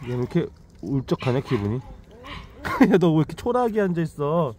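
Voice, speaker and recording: Lively high-voiced man cooing at dogs. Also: brisk, background noise. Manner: baby-talks to puppies, laughs often. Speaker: vlogger caring for rescued dogs. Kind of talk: casual vlog talk to dogs and viewers. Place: rural yard with dog kennels.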